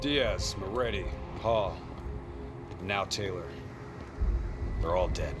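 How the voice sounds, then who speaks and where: A man's voice: sits low, takes it slowly, noisy background. An actor playing a hardened male soldier who talks harshly and swears, in a game cutscene. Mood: grim. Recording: voice under loud score music.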